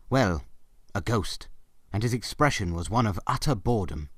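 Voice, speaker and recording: A man narrating a scripted story in a dramatic, expressive storytelling style. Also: on the low side, no echo, studio quality. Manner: expressive, theatrical.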